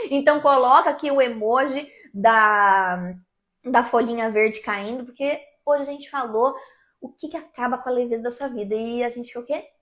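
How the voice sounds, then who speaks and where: A woman's animated, high-pitched voice at a moderate pace, with ordinary pitch variation. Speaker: psychologist and podcast host. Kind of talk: live stream talk. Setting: live video stream.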